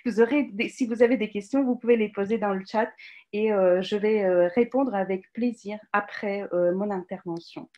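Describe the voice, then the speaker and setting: A woman from Ukraine leads a teacher-training session over a video call, her voice sitting a little high. She talks in a lively, encouraging way, stopping often to search for words with filler sounds, and praises participants as they answer. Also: highs cut off. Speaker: teacher trainer giving a webinar talk. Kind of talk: live online workshop presentation. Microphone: computer mic on a video call.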